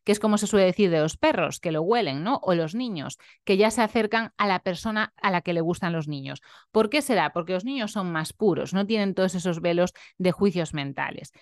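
This young nutritionist vlogger has a lowish voice with lively intonation and a fairly quick pace. She speaks earnestly and openly in a reflective personal vlog, frequently adding tag questions, in studio-quality audio with no room sound.

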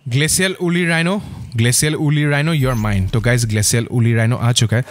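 A man hosting his gaming channel, giving excitable gameplay commentary and calling out to his viewers constantly. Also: medium pitch, a little fast. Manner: excitable, keeps saying "guys".

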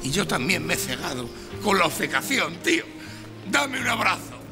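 Droll, creaky high-voiced Spanish man. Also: sing-song, moderate pace, over music. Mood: earnest. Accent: Spanish, from Spain. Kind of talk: broadcast sitcom acting.

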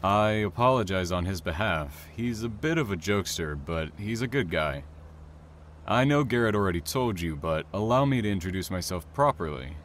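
A man playing a reserved, bookish train worker in an audio drama, speaking formally, measured and dry. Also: deep voice, animated. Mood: polite, reserved. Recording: clear background ambient noise.

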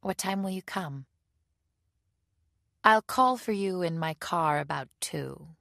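A woman's voice: fairly low pitch, slow, creaky, a bit bright, no echo, clean studio sound, pitched above the performer's own voice, heavily acted. A woman voicing a polite foreign man with a slight foreign accent, speaking formally and carefully in an audiobook.

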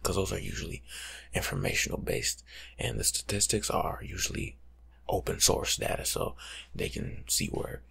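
A young adult American man, acting as a life coach for ASMR, half-whispers in a husky, low voice. He delivers a soft-spoken, casual advice monologue that is slangy, animated and teasingly lecturing, seated indoors in a small room at home.

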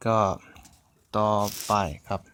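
A man with a Thai accent giving a relaxed, chatty language lesson, repeating sounds as he writes them out. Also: a little hiss or hum. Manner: slow, chatty, repeating sounds while writing on a board. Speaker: language teacher. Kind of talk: casual online language lesson.

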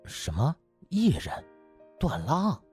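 A man's voice: a little high, huge pitch swings, takes it slowly, warm tone, husky, faint music behind, full character voice. A man voicing an effusive, self-assured older hospital director in an audiobook, with exclamatory delivery. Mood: surprised.

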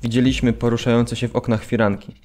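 A man's voice: mid-range voice, level tone, fast, darkish tone, natural voice. A man acting a grave former prisoner, reading his memories solemnly and with restraint in an audio drama. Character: grave male former prisoner remembering deportation. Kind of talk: dramatised documentary memoir reading.

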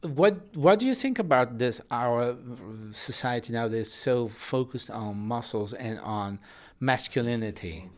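A man's voice: mid-range voice, expressive, unhurried, few pauses. Man interviewer groping for words. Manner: searching for words, repeats himself. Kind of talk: press interview questions. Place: festival press room, indoors. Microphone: handheld mic.

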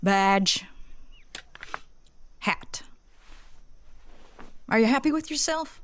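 An actress playing a tough, exasperated police boss, stern, clipped and blunt, in an audio drama. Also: female voice, a little high, lively intonation, extremely slow, slight background noise.

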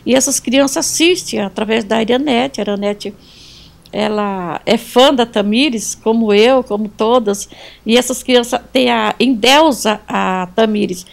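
Woman, atelier owner, somewhat high voice, gravelly fry, earnest thanks. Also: unhurried. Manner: earnest, sprinkles in religious phrases. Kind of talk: heartfelt speech of thanks. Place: indoor atelier.

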